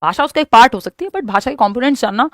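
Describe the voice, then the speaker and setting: Woman teacher going over exam questions, high voice, reads questions out slow, dry close sound. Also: expressive, no room sound. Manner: explains in Hindi mixed with English terms, reads questions slowly. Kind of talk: exam-prep lesson.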